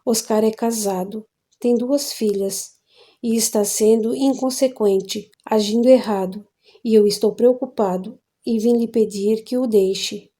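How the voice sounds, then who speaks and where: A worried older father begs for his son in an earnest, pleading tone, as a woman reader voices him. The voice sits a touch high and sounds warm and mellow. It is an audiobook reading. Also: fairly even intonation, measured pace, lightly acted.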